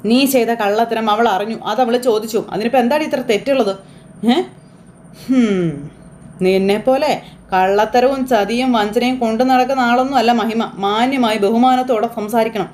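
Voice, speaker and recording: A woman voicing a stern family matriarch who speaks slowly and threateningly. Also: on the high side, steady tone, darkish tone, slight background noise, close to an everyday voice.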